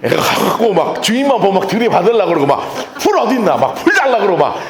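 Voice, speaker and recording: A man preaches in a high-pitched, very animated voice that swings up and down as he tells stories with a laugh. He is a pastor giving a sermon. His voice rings out in a roomy church space. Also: fast talker. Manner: lively storytelling, often laughing. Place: church sanctuary.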